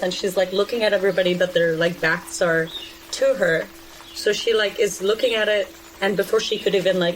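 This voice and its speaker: A woman with a mid-pitched voice improvises a story for a tabletop game. Her phrasing is loose and conversational, full of small hesitations. A little noise sits behind her. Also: low-quality recording. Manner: halting, loose phrasing with many likes.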